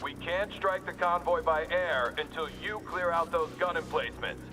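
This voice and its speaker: A man's voice: a little high, normal speed, natural voice. Man playing a terse, commanding military field leader. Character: gruff, commanding male field commander on the radio. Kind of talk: game cutscene mission briefing. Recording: loud action-score music behind.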